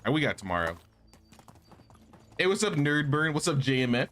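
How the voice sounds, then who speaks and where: A man's voice: fairly high pitch, big pitch swings, normal speed, a bit bright, slight background noise. A man giving casual, laid-back, slangy commentary while livestreaming a game. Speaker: game streamer. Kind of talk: casual livestream gaming commentary, reading quest dialogue aloud.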